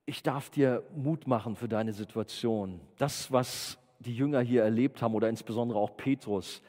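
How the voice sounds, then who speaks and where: A man preaching to young people at a medium pitch, playful and chatty. He keeps turning questions to the audience. His voice carries through a hall with a long reverb. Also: moderate pace, dark tone. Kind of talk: informal sermon to a youth group.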